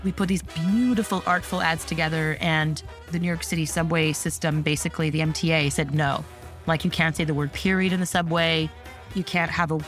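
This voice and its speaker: A woman from Canada whose first language is French, talking as an entrepreneur guest in a casual podcast interview, animated and chatty with lots of "like" and "you know". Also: low-pitched.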